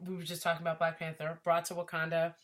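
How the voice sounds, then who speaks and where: Animated laughing woman podcast guest. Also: low-pitched. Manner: animated, laughs often, quick asides. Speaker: podcast guest, entertainment writer. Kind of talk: casual chat.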